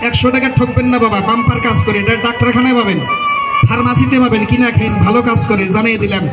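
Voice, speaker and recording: A man giving a loud street-market sales pitch like a carnival barker, in repetitive, insistent patter aimed at passers-by. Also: steady tone, rapid-fire. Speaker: street medicine seller. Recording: loud music behind the voice. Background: loud music.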